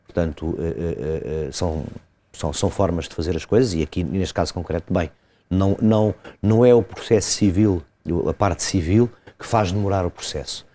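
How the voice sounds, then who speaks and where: A man, a lawyer explaining a legal case step by step in an interview, pausing and hesitating often. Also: low voice, warm tone. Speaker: lawyer commenting as guest.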